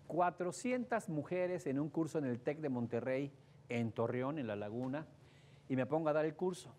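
A man with a Mexican accent gives a lively talk to an audience, telling stories, acting out the voices of the people in them and asking the audience questions. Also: on the high side, moderate pace, slight background noise. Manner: animated, acts out voices in his stories, asks the audience questions. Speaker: speaker giving a relationship talk.

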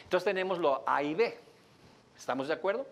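A man's voice: high voice, brisk, background noise. Jokey Mexican man leading a workshop. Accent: Mexican Spanish. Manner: lively, jokey, laughs often while explaining. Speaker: workshop instructor. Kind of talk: live workshop demonstration. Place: training room with an audience.

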